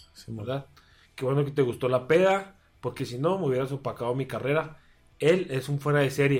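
A man with a Mexican accent, fairly high-pitched and somewhat breathy, at a moderate pace with ordinary pitch variation and long, frequent pauses. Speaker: podcast co-host. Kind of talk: casual chat.

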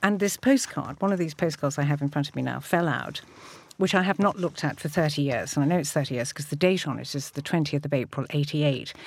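On a very clean recording with a silent background, a woman with a British accent speaks very fast in a very deep, low pitch with ordinary pitch variation. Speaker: radio newsreader. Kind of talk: casual interview chat.

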